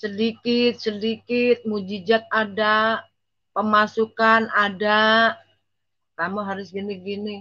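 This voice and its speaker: A woman with a fairly high pitch speaks very slowly in a monotone, flat intonation over a quiet background. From East Java, Indonesia. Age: 60s. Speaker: convert giving testimony. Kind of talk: testimony. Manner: casual rambling colloquial speech. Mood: emotional, earnest. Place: garden. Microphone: voice very quiet; video call.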